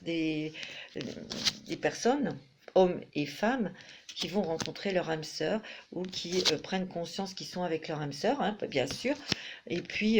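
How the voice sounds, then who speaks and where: A woman's voice: lowish voice, noisy background. A middle-aged woman giving a chatty tarot reading to camera, full of fillers and restarts. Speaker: tarot reader.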